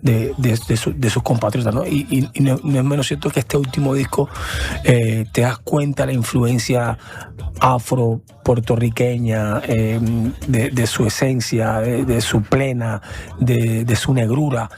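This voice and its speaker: A Cuban man, a musician guest, talking casually in an interview, halting and repeating words as he searches for them. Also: mid-range voice, fairly even intonation, darkish tone. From Cuba.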